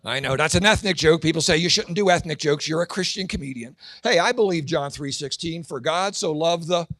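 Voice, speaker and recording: A man in his sixties doing a Christian stand-up comedy routine, telling animated stories and acting out voices and shouts. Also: fairly high pitch, a little fast, no room sound. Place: large event hall with an audience.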